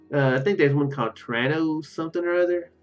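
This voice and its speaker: A man giving casual, halting commentary as he plays through a game, musing aloud. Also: on the high side, expressive, highs cut off, soft background music. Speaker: gaming video host.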